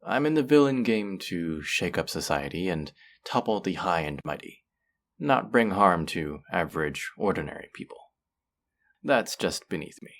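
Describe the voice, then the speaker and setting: A man playing a suave, pleasant supervillain in a scripted audio roleplay, speaking in a polished, measured, theatrical and amiable way. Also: low-pitched, creaky, full character voice. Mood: confident, courteous. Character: suave, pleasant male supervillain interviewing a minion recruit. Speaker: voice actor. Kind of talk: scripted roleplay audio drama, conversational monologue.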